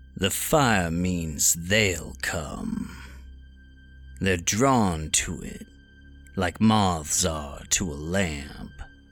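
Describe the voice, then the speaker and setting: In a put-on character voice with a very deep, low pitch, a man speaks at a very slow pace with long, frequent pauses while clear music plays in the background. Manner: serious, slow.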